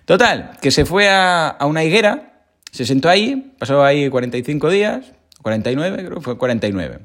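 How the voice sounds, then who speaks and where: Slangy, lively podcaster from Spain. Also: male voice, fairly high pitch, a little fast. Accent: Spain Spanish. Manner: slangy, jokey, constant "¿vale?" check-ins. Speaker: podcast host. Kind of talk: casual explanatory monologue.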